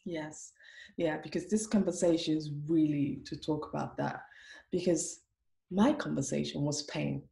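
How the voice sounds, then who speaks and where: Low, gravelly woman host in an echoey room. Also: steady tone, warm tone. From Africa. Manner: earnest, emphatic, slows down to stress points. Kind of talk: conversational interview.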